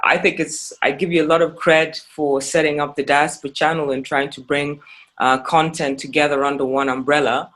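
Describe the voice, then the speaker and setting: A man from Uganda, raised in Kenya and the UK, interviewing a guest, measured and hesitant with frequent ums. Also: on the high side, level tone, fairly bright tone. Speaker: interviewer, filmmaker. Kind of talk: interview questions and dialogue.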